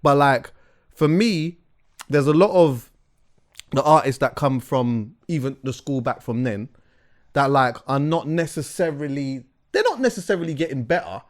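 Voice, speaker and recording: A man's voice: medium pitch, animated, moderate pace. A man co-hosting a podcast, talking earnestly in casual chat and restarting words as he goes. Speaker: podcast co-host.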